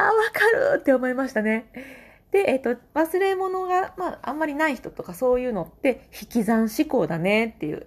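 A woman hosting her own casual talk show, chatting alone, reading listener comments and laughing often. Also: a little high. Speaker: podcast host.

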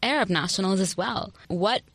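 A woman's voice: medium pitch, moderate pace, fairly bright tone, dry recording. A woman from Egypt, an Arabic speaker, talking earnestly as a guest in a radio studio interview and laughing often. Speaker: guest entrepreneur.

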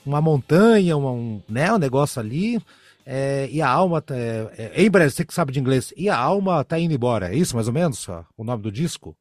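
A man with a Brazilian Portuguese accent hosting a casual podcast chat, telling stories in an animated, talkative way. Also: mid-range voice, a little fast, dry recording, studio quality. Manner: animated, chatty storyteller. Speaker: podcast host.

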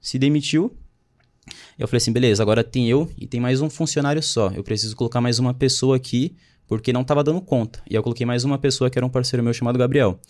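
A man's voice: mid-range voice, quick pace, a little mellow. A young man in his twenties, casually telling his life story in a slangy way, often quoting what others said. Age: 20s. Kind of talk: casual chat.

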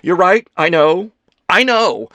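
Man putting on a high, dramatic, gushing actress. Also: very animated, moderate pace, fairly bright tone, no echo, dull audio. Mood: dramatic panic. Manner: theatrical, emphatic, exclaiming. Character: dramatic, gushing woman actress, bossy and flirtatious. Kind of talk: audiobook character dialogue.

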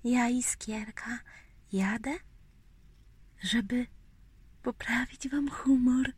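A woman voicing a kindly little sun spark from a children's story in a gentle, whispery way. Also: on the high side, breathy edge, no echo, full character voice. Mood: tender, cheerful. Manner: gentle, slow, cheering.

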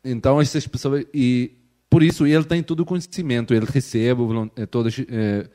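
Non-native man with a European Portuguese accent, halting and searching for words, casual interview guest. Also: medium pitch, steady tone, mellow. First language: not Portuguese. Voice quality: hesitant, with frequent restarts and filler checks. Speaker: missionary guest.

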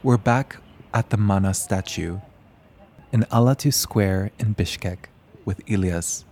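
Low, mellow-voiced male reporter. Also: unhurried. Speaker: reporter narrating. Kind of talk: scripted radio narration.

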